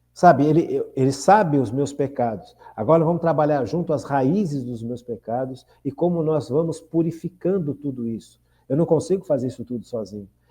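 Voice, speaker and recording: Somewhat breathy, the man's voice has a dark, mellow tone. He keeps a moderate pace with ordinary pitch variation. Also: fairly high pitch for a man. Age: 60s. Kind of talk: religious formation talk.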